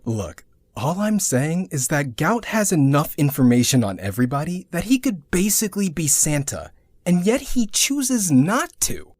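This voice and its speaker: A woman's voice: sits low, big pitch swings, normal speed, a little mellow. A woman playing a blunt, irreverent but caring friend in an audio drama, speaking informally and a little hesitantly. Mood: wry, teasing. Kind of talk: audio drama acting, casual dialogue.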